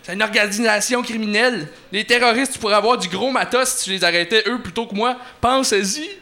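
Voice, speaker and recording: Guy doing a high whiny punk kid, sharp bright voice, all slang and begging. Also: fairly quick. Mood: pleading. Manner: slangy, bargaining, high and excited. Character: young slacker male vandal, panicky and pleading.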